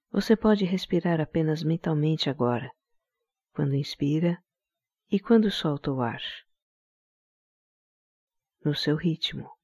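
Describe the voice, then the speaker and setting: High-voiced man guiding a calm meditation. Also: no echo, clean studio sound. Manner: calm, soothing, slow instructions. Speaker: guided relaxation instructor. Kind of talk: guided meditation narration.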